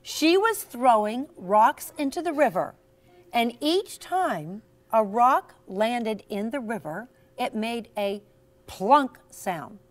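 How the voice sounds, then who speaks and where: A woman with a fairly high, very animated voice reads aloud to young children. She is slow and teacherly, encouraging them along and stressing words theatrically. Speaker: storyteller and author. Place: in front of a class of children.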